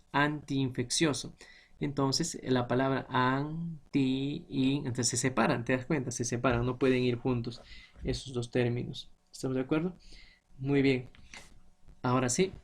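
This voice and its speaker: A man teaching a grammar lesson to students, explaining patiently and often checking that they follow. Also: medium pitch.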